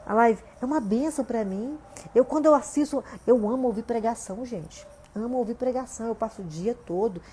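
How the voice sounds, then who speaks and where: A woman's voice: fairly high pitch, dark tone, a little hiss or hum. A Brazilian woman pastor with a Brazilian Portuguese accent, preaching a conversational livestream sermon from home and often asking "né?". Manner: conversational preaching, frequent "né?" and "gente".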